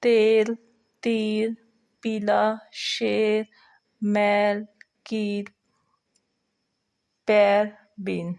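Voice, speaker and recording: A woman teacher who explains an Urdu lesson to other teachers and recites verses slowly. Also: medium pitch, level tone, creaky, a little mellow. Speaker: teacher trainer.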